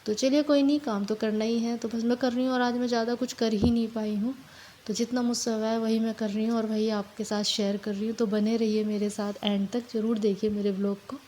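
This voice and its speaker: Young woman, hoarse and run-down, flat dark delivery, faint room hiss, homey vlog talk. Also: a little high. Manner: tired, halting, apologizing for her voice. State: hoarse from a sore throat and fever. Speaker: family vlogger. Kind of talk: casual vlog narration while doing housework.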